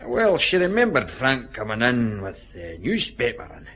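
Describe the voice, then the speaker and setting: An actor playing a sly, easygoing jailed newspaper seller with a Scottish accent in a radio detective drama. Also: male voice, mid-range voice, huge pitch swings, moderate pace, fairly bright tone. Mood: wheedling. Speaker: small-time drunk informant.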